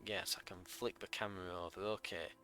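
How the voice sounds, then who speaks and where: A man's voice: low voice, fairly even intonation, fairly quick, sharp tone. A man giving casual let's play commentary, thinking aloud in a wry way.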